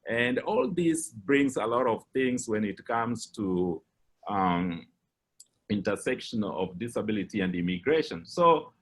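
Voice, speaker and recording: Low-voiced Kenyan man, measured speech. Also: animated, slightly rough. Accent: Kenyan English. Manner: measured, with frequent uh fillers and restarts. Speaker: guest speaker. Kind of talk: personal account in a lecture talk.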